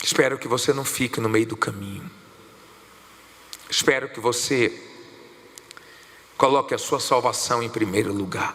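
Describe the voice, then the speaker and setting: Against noticeable background noise, a man at a medium pitch talks at a moderate pace with ordinary pitch variation, big swings in loudness and long, frequent pauses. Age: 50s. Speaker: pastor. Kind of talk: sermon.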